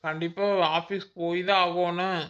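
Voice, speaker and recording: A man voicing a chatty, homely young village woman in a cartoon, complaining and explaining in a relaxed family way. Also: high voice, normal speed. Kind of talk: cartoon voice acting. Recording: dull lo-fi recording.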